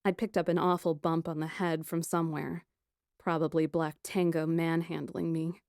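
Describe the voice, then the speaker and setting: A woman reading first-person fiction as an audiobook narrator, with a dramatic, expressive delivery. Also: low voice, moderate pace, no room sound, studio quality.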